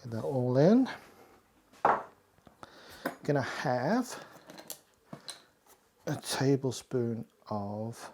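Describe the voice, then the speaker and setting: A man's voice: medium pitch, big pitch swings, drawn-out words, long pauses, noisy background. A man hosting a casual home cooking tutorial, chatty and self-deprecating as he walks through each step. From Hakka Chinese family. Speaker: cooking show host.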